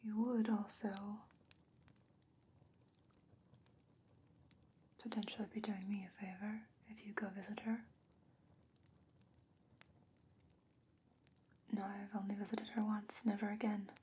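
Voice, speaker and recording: A woman playing a calm, knowing, secretive potion maker in a soft-spoken ASMR fantasy roleplay, whispering slowly and breathily with measured, hesitant pauses. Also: mid-range voice, slight background noise, natural voice. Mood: conspiratorial, reluctant.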